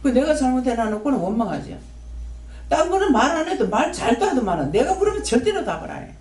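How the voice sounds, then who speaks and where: A woman's voice: high-pitched, big pitch swings, fast, darkish tone. A woman with a Gyeongsang accent preaching at a prayer house in a folksy manner, acting out her own prayers and God's answers. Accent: Gyeongsang Korean. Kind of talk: sermon. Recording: roomy and distant from the mic.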